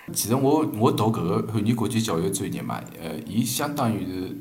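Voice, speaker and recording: A man's very deep, low voice with very wide pitch swings, at a fairly quick pace, over noticeable background noise. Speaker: Chinese teacher and linguistics researcher. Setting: online audio room.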